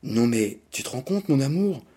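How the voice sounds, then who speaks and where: Guy doing a quiet teary young woman in an audiobook, mellow voice, soft and pleading, begging her lover. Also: mid-range voice, normal speed, close to an everyday voice.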